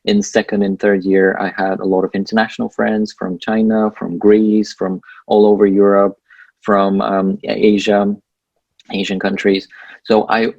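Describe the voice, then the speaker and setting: A man's voice: on the low side, measured pace, gravelly, no echo, muffled recording. A young man from Bulgaria with a Bulgarian accent, speaking English as a second language and giving earnest advice as a guest in a casual interview. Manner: relaxed, earnest, laughs between points. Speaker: guest, PhD student.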